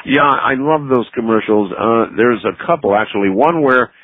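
A man hosting a late-night radio call-in show, speaking with a smooth radio host delivery as he reads letters aloud and takes calls. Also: mid-range voice, normal speed, no echo. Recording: narrow phone-like radio broadcast, dry.

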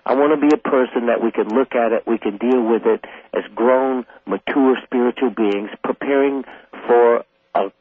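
A man in his forties from South Carolina, a radio guest talking in a calm, earnest, long-winded way. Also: medium pitch, normal speed, slightly rough, no room sound. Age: 40s. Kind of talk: call-in radio conversation. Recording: tinny phone line.

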